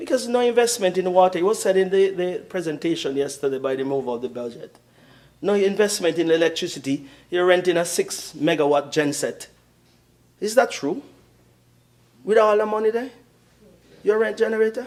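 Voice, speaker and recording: In a Kittitian accent, a high-pitched man speaks with lively intonation and long, frequent pauses. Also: fairly quick pace. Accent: Kittitian-Nevisian Caribbean English. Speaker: politician. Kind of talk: parliamentary debate speech. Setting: parliament chamber.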